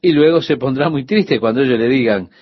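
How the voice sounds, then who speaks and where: A man's voice: mid-range voice, a little fast, breathy edge, no echo, lo-fi sound. An older man, a pastor, giving a radio sermon in an earnest teaching tone with rhetorical questions to the listener.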